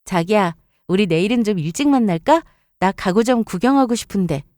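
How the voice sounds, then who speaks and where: A woman's voice: medium pitch, lively intonation, fairly quick, a little mellow, no room sound, clean studio sound, close to an everyday voice. A woman voicing a caring young bride-to-be in a story, casual and attentive.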